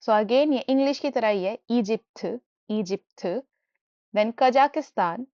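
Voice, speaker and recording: A woman teaching a beginner language lesson, mixing Hindi and English and repeating each new word slowly several times as a drill. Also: fairly high pitch, mellow, dry recording. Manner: mixes Hindi and English while explaining. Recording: dull, muffled dry recording.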